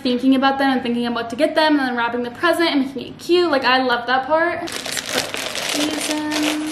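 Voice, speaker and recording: A young woman chatting to camera while wrapping gifts at home, bubbly and full of "like" fillers, recorded on a camera across a table. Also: high-pitched. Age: young adult. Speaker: vlogger. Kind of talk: casual chat to camera. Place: living room at home, indoors. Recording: echoey room with background noise.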